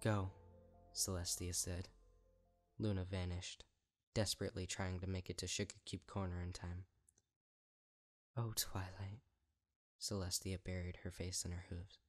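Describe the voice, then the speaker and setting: A man's voice: low-pitched, completely flat delivery, normal speed. A man narrating a horror fan-fiction story in a dramatic reading style. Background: music.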